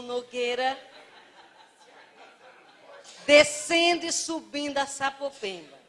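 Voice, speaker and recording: A woman lectures at a spiritist center in a slow, unhurried delivery. Her voice sits fairly high, and she tells playful anecdotes, acting out the people she quotes. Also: fairly bright tone.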